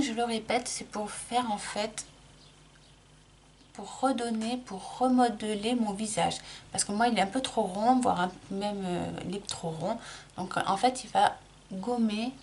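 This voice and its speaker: A middle-aged woman talks through her makeup routine in a relaxed, chatty way, stopping and restarting her sentences as she works. Her voice has a light gravelly edge. There is a faint hiss and some room ambience behind her. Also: medium pitch. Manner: chatty, explains while applying, frequent restarts and fillers. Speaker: makeup vlogger. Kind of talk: casual makeup tutorial.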